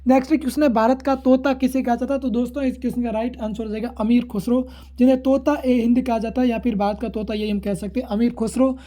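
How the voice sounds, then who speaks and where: A man's voice: very high-pitched, level tone, quick pace, dark tone. A man teaching exam prep, going informally through questions and answers in a repetitive, formulaic way.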